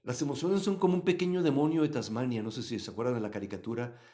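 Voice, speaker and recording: A man from Mexico, teaching a live Bible study and answering chat comments, swinging between loud emphasis and quiet asides. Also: medium pitch, quick pace.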